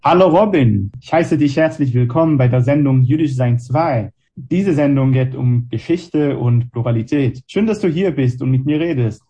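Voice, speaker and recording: An Israeli-born man in his twenties hosts a radio program and speaks German as a second language after Hebrew. His voice is dark and a little husky, and he delivers scripted narration and measured questions in a reflective way. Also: mid-range voice, dull audio. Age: 20s. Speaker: radio show host.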